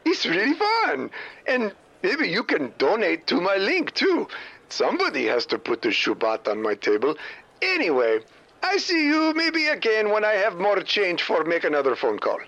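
A brash comic caller from overseas, as a man puts him on, cracks cheeky deadpan jokes in broken grammar. His high, bright voice swoops all over. It comes through as a dull, lo-fi voicemail message played back. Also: moderate pace, heavily acted.

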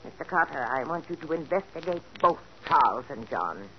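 A stubborn, sharp-tongued old woman of seventy-nine in a 1940s radio drama. She talks in a tart, commanding way. The old broadcast sounds muffled, with a faint hiss behind it. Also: low-pitched, lively intonation, fairly quick. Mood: imperious. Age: older. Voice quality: tart, imperious.

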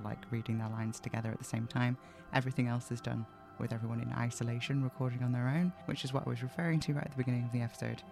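A man's voice: mid-range voice, creaky, darkish tone. A man giving a chatty, informal podcast announcement as the show's host. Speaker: audio drama podcast creator and host. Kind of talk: scripted podcast outro, casual announcement.

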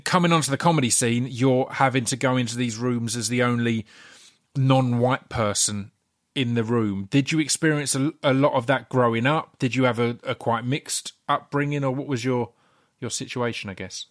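A man's voice: medium pitch, steady tone, normal speed. A man who hosts a podcast and asks questions casually, often restarting his sentences. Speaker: podcast host. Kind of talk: casual interview.

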